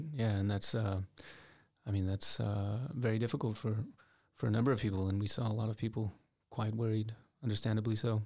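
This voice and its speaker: In an Icelandic accent, a man speaks fairly quickly at a fairly low pitch, somewhat breathy and monotone, with long, frequent pauses and very even loudness on a very clean recording with a silent background. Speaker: staff writer at a magazine. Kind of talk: casual interview, explanatory. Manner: hesitant, many ums and uhs.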